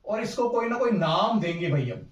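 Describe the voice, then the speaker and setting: A man's voice: high voice, lively intonation, normal speed, lo-fi sound. A man teaching a maths lesson, explaining each step and often checking that students follow. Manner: explains step by step, asks "समझ में आई बात?". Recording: echoey room, voice from a distance.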